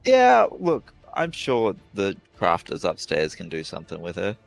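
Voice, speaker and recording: A man's voice: low-pitched, measured pace, gravelly, soft background music. A man playing a tabletop game, talking casually and jokingly with his group. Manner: animated, jokey. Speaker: player.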